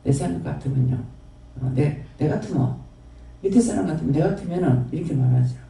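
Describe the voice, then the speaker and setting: Gravelly Gyeongsang pastor in echoing hall. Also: male voice, fairly high pitch, fairly quick, mellow. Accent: Gyeongsang Korean. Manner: rambling, repetitive, folksy. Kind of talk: sermon and closing prayer. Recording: very echoey hall, distant mic.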